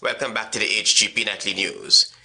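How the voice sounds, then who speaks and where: A male news anchor from Guyana, reading story introductions in a steady, formal manner. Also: fairly low pitch, a little fast, over loud music, rough recording.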